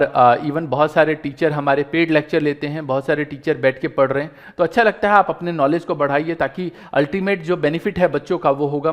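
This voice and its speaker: A man teaching accounts in an online lecture, earnest and encouraging, pleading with students and fellow teachers as he explains each step. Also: a little high. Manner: earnest, pleading and encouraging, mixing English terms into Hindi.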